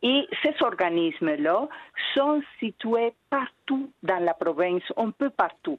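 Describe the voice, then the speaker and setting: A woman's fairly high voice at a very slow pace, with very wide pitch swings and very even loudness. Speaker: immigrant integration director. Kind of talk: interview.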